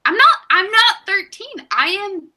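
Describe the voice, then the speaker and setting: A woman's voice: extremely high pitch, sing-song, measured pace, pushed and bright. A woman in her twenties hosting a casual live stream, rambling and laughing at herself. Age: 20s. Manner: giggly, rambling, self-mocking. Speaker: stream host.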